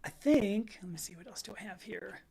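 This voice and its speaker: A woman's voice: mid-range voice, a little fast, gravelly, dark tone, breathy edge. A woman in her fifties hosting a livestream, chatting casually in a rambling way, laughing often and reading out viewers' comments. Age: 50s. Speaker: livestream host.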